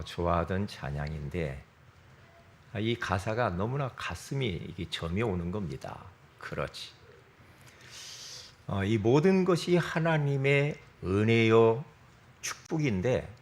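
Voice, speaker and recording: A middle-aged man preaching a sermon as pastor, telling stories in a lively way with interjections, his throat strained. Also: on the low side, slight background noise. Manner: lively storytelling with interjections and self-corrections.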